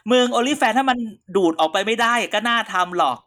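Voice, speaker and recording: A high-pitched man with a bright, sharp edge to his voice, co-hosting a relaxed political talk show. He chats loosely, tossing in asides and laughter. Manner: chatty, quick asides and laughs. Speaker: co-host. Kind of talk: casual political chat.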